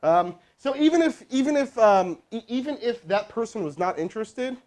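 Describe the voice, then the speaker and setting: A man hosting a live stream as a sales trainer, energetic and casual, with chatty asides to his crew. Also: very high-pitched, normal speed. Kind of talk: hyped live-stream coaching and cold calling. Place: indoor room with crew present.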